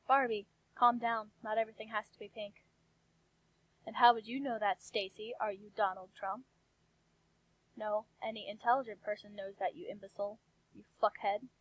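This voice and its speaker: A woman reading the parts of rude, bickering dolls in a flat monotone, deadpan. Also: mid-range voice, normal speed, pauses often, no room sound, highs cut off, close to an everyday voice. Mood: flat, insulting. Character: foul-mouthed bickering dolls from a homemade Barbie movie.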